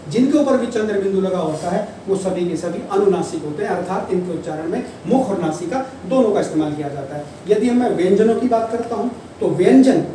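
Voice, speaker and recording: A male teacher lectures on grammar in a patient, repetitive style, drawing out each example syllable by syllable. His voice is mellow and set back from the microphone. A heavy room echo and a faint hiss sit around every word. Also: sits high. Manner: explains patiently, repeats key terms and drawls examples slowly. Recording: distant mic, echoey room, faint noise.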